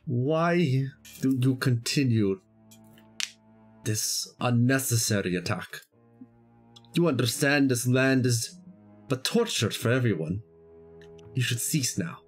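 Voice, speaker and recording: A man game master voicing a menacing male vampire lord whose booming voice echoes inside the heroes' heads, speaking slow, grave threats. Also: animated, breathy edge, soft background music. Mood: weary warning. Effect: booming voice echoing inside heads.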